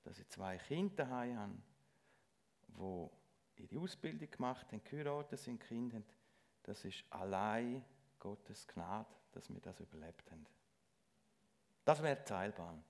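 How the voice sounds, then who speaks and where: A middle-aged man delivers a sermon in church. He speaks earnestly and haltingly, often breaking off and restarting his sentences. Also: lowish voice, lively intonation, creaky, darkish tone. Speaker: lay preacher.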